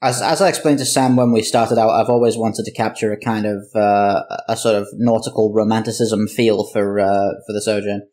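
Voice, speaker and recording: A man's voice: lowish voice, fairly even intonation, brisk, hardly any pauses, a little mellow. A man talking casually as a show creator, telling anecdotes in a wry, conversational way. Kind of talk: casual interview chat, anecdotal.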